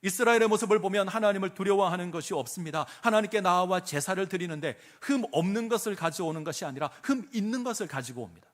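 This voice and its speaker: A man's voice: high voice, fast talker, few pauses. A male pastor preaching a sermon, asking the congregation questions and acting out quoted speech with emphasis. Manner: preaching with rhetorical questions and dramatic quoted voices.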